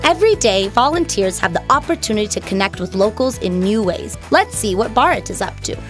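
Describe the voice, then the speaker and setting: A woman's voice: mid-range voice, animated, a little fast, music in the background. A woman giving scripted narration for a promotional video, with upbeat, lilting emphasis.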